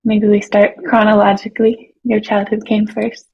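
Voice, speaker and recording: A woman hosting an interview, gentle and encouraging as she asks questions. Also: medium pitch, completely flat delivery, moderate pace, slight background noise. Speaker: podcast host. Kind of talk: interview host. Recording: slightly muffled lo-fi audio.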